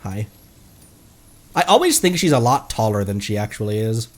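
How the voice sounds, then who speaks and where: A man's voice: lowish voice, big pitch swings, moderate pace. A man giving casual, rambling live game commentary and chatting playfully with viewers. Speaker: game streamer, VTuber.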